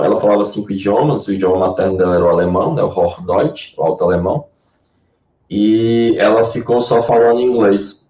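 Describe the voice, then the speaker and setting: A Brazilian man with a low, mellow voice lays out ideas at length, explaining patiently like a lecturer. His voice is Brazilian Portuguese accented. It reaches the listener through a dull, lo-fi line in an echoey room. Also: far from the mic. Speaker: guest, Jungian therapist. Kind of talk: interview answers.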